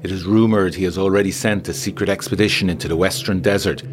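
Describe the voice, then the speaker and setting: A man's voice: sits low, steady tone, quick pace, crowd noise, close to an everyday voice. A man voicing a worldly, theatrical woman intriguer in an adventure story, giving grave, insistent warnings in formal phrasing.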